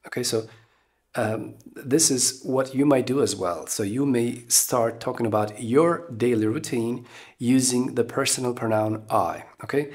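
A man in his forties from the Eastern Balkans with an Albanian accent, giving an English lesson straight to camera. He talks haltingly, with many ums and uhs, and keeps checking in with "okay?". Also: mid-range voice, a little mellow. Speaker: English teacher. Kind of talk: talking-head lesson to camera. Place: small room indoors. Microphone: camera close up at face level.

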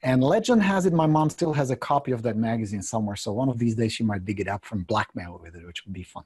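In an indoor studio with a brick wall, a guest real estate coach in his fifties with a Czech accent shares candid stories for a video interview via a desk condenser mic. He's blunt and jokey, swears some and gestures a lot, speaking fast in a mid-range voice that is a little mellow and slightly rough.

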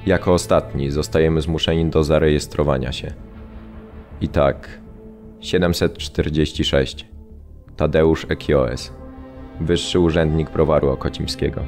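An actor playing a sombre, restrained prisoner, recounting memories in a measured radio drama delivery. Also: male voice, very deep voice, steady tone, darkish tone, soft background music. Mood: grave, restrained. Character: Polish male camp prisoner recounting his arrival, sombre and restrained. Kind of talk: radio drama memoir narration.

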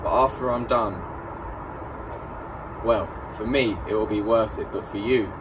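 A young man delivering a menacing, deliberate wrestling promo outdoors, picked up by a camera a little way off. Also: lowish voice, fairly even intonation. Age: young adult. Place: outdoors in a back garden. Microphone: camera a few metres away. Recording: distant mic, noisy outdoor ambience.

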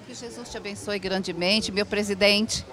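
A woman's voice: mid-range voice, fairly even intonation, moderate pace, a bit bright. Chatty middle-aged woman host. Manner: chatty, affirming. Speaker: TV variety show host. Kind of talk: event interview. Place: indoor event stand with backdrop. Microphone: handheld mic.

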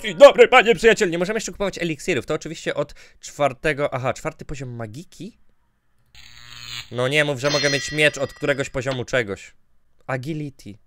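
Excitable young man commenting a game. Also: on the high side, brisk, a little hiss or hum. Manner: excitable, yelling at the game in bursts. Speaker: gaming YouTuber. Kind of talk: let's play commentary.

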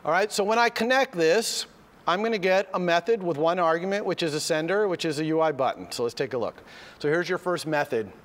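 A man with a slightly hoarse voice from a cold, teaching a live coding lecture step by step and often checking in with "okay?". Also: fairly high pitch, expressive, brisk, a bit bright. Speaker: university lecturer. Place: lecture hall. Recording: lecture hall with long reverb.

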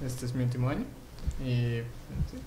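A man's voice: medium pitch, expressive, moderate pace, warm tone, rough recording. Young Peruvian man, hesitant, faint noise behind. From Arequipa, Peru. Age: 20s. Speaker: interview guest, student. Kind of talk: hesitant unscripted interview answers.

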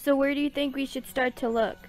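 A woman's voice: sits high, fairly even intonation, fast talker, natural voice. A woman voicing a spirited, defiant teenage fairy girl in a cartoon fan dub. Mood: determined.

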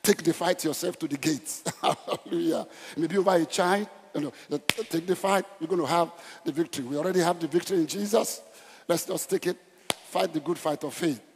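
On stage in a large church auditorium, a middle-aged Nigerian pastor preaches evangelistically, emphatic and exhorting, in short repeated phrases with a conversational turn. His voice is on the high side and fairly quick, with slight background noise, and the headset recording carries echoey hall sound.

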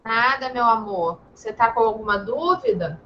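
A Brazilian woman teaching young children over a video call, patient and gentle, calling pupils sweet names. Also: on the high side, normal speed, lo-fi sound, a little hiss or hum. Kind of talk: online class for young children.

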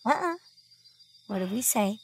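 A woman's voice: a little high, animated, a little slow, a little hiss or hum. A woman playing a teasing, bossy but caring young woman in a naturalistic audio drama, coaxing playfully.

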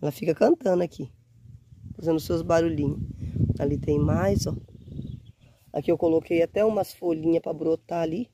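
This is a casual to-camera chat from a gardening vlogger, a woman in her forties whose voice sits low and is slightly hoarse from a cold. She speaks at a normal speed with fairly even intonation and long pauses, warm and chatty, often saying "gente" and using diminutives. She's outdoors in a windy garden with her phone at arm's length, and faint wind noise is audible.

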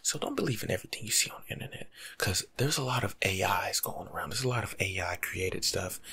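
A young American man giving rambling, slangy ASMR life advice in a hushed, breathy voice, playful and animated, close to the mic in a room at home. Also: low-pitched, fast talker. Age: young adult. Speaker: ASMR video creator. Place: small indoor room at home.

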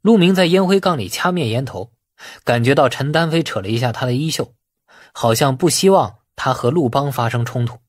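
A man with a husky voice narrating a novel in a dramatic, scripted audiobook style. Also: mid-range voice, lively intonation, brisk, no echo, studio quality.

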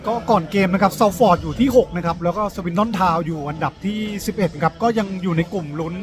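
A man's voice: high-pitched, fairly quick, over music, crowd noise. A man in his thirties giving chatty, explanatory commentary for a casual football travel vlog. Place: outdoor small football stadium. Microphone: handheld camera at arm's length.

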